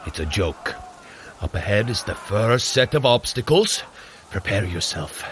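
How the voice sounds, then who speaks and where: An actor playing a boisterous, cheerful Norse warrior god in an audio drama, with theatrical, grand old-fashioned phrasing. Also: male voice, on the low side, sing-song, a little slow, fairly bright tone, slight background noise. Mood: grumbling, hearty, then gleeful warning.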